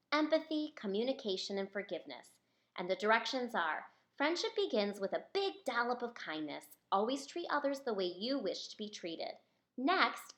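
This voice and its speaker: A woman reading a picture book aloud as its author, speaking expressively to young listeners. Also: medium pitch. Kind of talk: storybook read-aloud to children.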